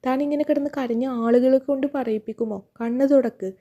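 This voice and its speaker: A woman's voice: high voice, fairly even intonation, a little fast, dark tone, lo-fi sound. A woman reading the lines of an angry, scornful young man in an audiobook, snapping bitter reproaches. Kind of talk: audiobook character voice.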